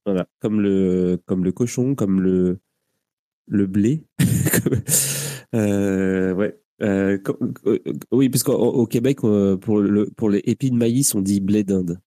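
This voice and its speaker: A man's voice: fairly low pitch, slow, warm tone, dry recording. A man hosting a live radio talk show, his sinuses blocked, talking in a hesitant way with many fillers and restarts. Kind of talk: casual live radio chat.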